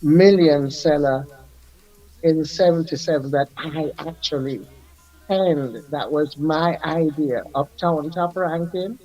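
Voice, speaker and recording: An older man, a music artist recalling his career in an unhurried, reflective way as a radio guest. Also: fairly high pitch, darkish tone, muffled recording. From Jamaica. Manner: unhurried, reflective, laughs often. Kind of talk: radio interview.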